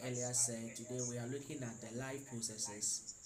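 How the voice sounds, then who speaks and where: A man speaks at a moderate pace with a medium pitch, over noticeable background noise and audible room echo. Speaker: teacher. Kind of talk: lecture. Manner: soft-spoken. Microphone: too quiet for some listeners.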